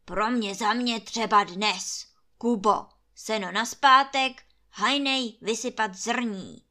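A woman voicing a bossy, greedy male landlord who shouts commands in a storybook reading. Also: on the high side. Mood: domineering.

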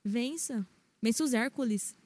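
A Brazilian woman co-hosts a casual Christian podcast and turns straight to the audience to drive her points home. Her voice sits a little high. She speaks with steady emphasis. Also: takes it slowly, no echo. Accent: Brazilian Portuguese. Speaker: podcast co-host.

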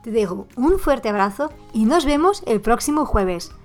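Expressive woman hosting a parenting podcast. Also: on the high side, normal speed, soft background music. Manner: expressive, bursts of exclamations. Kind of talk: podcast monologue addressed to listener.

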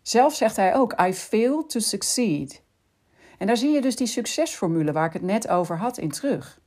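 A woman hosting a podcast, calmly explaining in scripted narration and speaking directly to the listener. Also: lowish voice, husky. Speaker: podcast host.

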